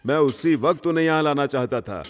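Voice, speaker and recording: A man's voice: fairly high pitch, fairly quick, soft background music, lightly acted. A man playing a devout, earnest middle-aged village father in a dubbed film drama. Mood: earnest, chiding. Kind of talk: dubbed Indian film acting. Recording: reverberant hall sound.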